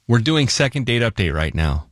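A man hosting a radio morning show call-in segment, chatty and animated, steering the call with leading questions. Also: mid-range voice, normal speed, no room sound, clean studio sound. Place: radio studio. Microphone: studio mic.

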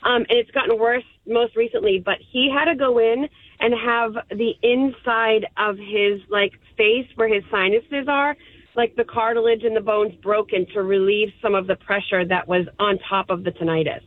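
A woman's voice: fairly high pitch, fairly even intonation, normal speed, no echo. Chatty woman caller on a tinny phone line. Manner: chatty, rambling with fillers. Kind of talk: phone call-in.

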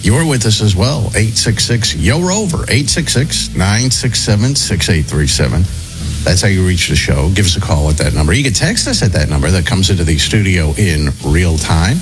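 A man hosting a morning radio talk show, sick and losing his voice, talking in a hesitant, halting way from the studio. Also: low-pitched.

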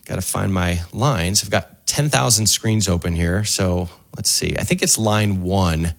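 A man hosting a call-in radio tech show, quick and chatty as he takes calls. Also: deep voice, gravelly.

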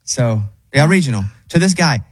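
A male radio host from Central Arkansas with a husky, slightly rough voice. His pitch swings a lot as he teases and steers the group through casual studio banter. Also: moderate pace. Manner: lively, teasing, leads the group.

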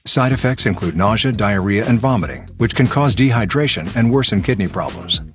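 A man reading a medicine commercial's safety disclaimer in a flat, rushed way. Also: fairly low pitch, faint music behind. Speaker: ad announcer. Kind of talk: rapid legal disclaimer read.

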